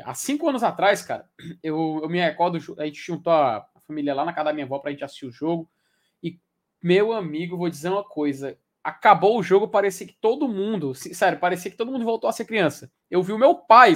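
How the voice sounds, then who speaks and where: A man hosting a live show in casual, slangy chat, reading viewer comments aloud. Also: high voice. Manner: excitable, slangy, full of fillers.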